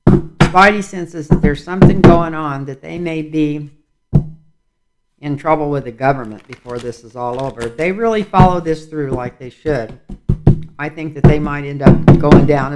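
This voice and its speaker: A man's voice: fairly high pitch, fairly even intonation, normal speed, over loud music. A man reading tarot cards in a casual vlog, rambling and musing aloud as he goes. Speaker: tarot reader.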